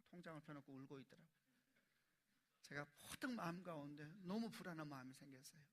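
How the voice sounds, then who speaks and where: Male pastor, 40s, sermon delivery; bright, forceful, fairly high voice with surging emphatic climaxes. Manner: storytelling, swells to loud emphatic peaks.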